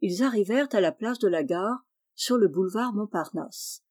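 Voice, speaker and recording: Mellow woman reading a storybook. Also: mid-range voice, animated, normal speed, breathy edge. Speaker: audiobook reader. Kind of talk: storybook narration.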